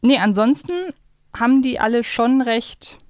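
A woman's voice: a little high, fairly even intonation, a little slow, a little mellow, dry recording, studio quality. A woman talking casually and reflectively as a podcast co-host. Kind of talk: casual podcast discussion of an audio drama series.

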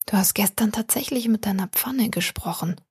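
A woman voicing a lonely old woman who mutters and scolds herself in an audiobook story, in a slightly lower, creaky voice. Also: normal speed, darkish tone, no room sound, clean studio sound. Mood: muttering. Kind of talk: audiobook reading.

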